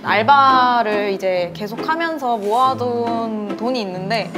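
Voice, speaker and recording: A woman in her twenties, a guest, earnestly describing her money worries on a lapel mic in a bright indoor studio room. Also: on the high side, unhurried. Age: 20s. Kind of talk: casual conversation. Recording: loud background music.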